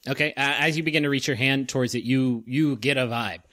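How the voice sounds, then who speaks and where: A man running a tabletop game as game master, narrating with many pauses and restarts and joking with swearing. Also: medium pitch, sharp tone, dry recording.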